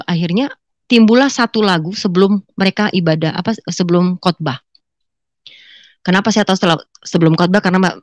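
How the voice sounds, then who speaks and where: A woman giving a personal testimony to a congregation, telling her story in a lively way, acting out dialogue in slang and often calling out to her listeners. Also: medium pitch, no echo, studio quality. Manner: acts out quoted dialogue in colloquial slang. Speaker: testimony speaker.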